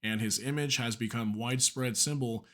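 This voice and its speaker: A man's voice: mid-range voice, moderate pace, a bit bright. Man hosting news with a failing voice. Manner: chatty, many fillers and asides. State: losing his voice, under the weather. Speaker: news channel host. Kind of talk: casual news commentary, reading articles aloud.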